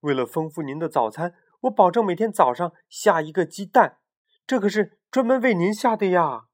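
A man voicing a young, frightened but eager little white hen in a bedtime storybook reading, with high excited cries. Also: takes it slowly, close to an everyday voice. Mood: pleading, anxious.

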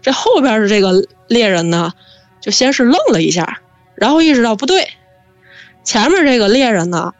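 A woman tells a story in a lively, chatty way, stretching her fillers as she goes. Her voice sounds close and dry, with soft music playing underneath. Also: a little high, normal speed, no echo. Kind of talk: casual spoken storytelling.

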